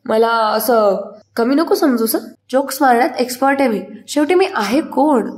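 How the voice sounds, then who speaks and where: This is a boastful young husband who laughs at his own jokes, spoken by a woman retelling the scene. He teases and insists, repeating his pleas. The voice sits slightly high and stays close to a narrator's own. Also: expressive, moderate pace, darkish tone, lightly acted. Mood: playful.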